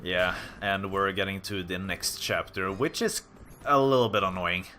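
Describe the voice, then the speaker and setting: A man hosts a let's play, chatting loosely over his gameplay with plenty of restarts. His voice is very low yet bright and forceful. He is recorded on a home mic. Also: steady tone, moderate pace, a little hiss or hum. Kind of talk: casual game commentary. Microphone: home mic, recorded separately.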